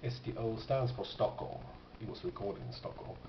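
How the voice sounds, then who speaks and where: Male collector, casual halting presenter; dull sound with clear noise. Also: fairly low pitch, sing-song. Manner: halting, pausing, thoughtful delivery. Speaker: record collector presenting finds. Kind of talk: casual unscripted show-and-tell. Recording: dull, noisy, echoey home recording.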